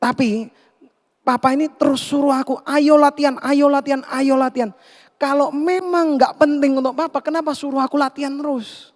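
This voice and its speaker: A man's voice: very high-pitched, steady tone, brisk, hardly any pauses, dark tone, voice pushed up. A man voicing an insecure, angry teenage boy acrobat who pleads with a raised voice. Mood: angry, pleading. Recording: long hall reverb.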